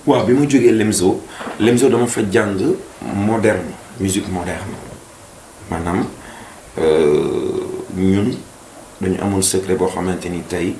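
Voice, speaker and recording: A man's voice: low voice, a little mellow. A man, a singer, talks earnestly as an interview guest, switching between French and Wolof. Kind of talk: casual interview chat. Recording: echoey room with faint noise.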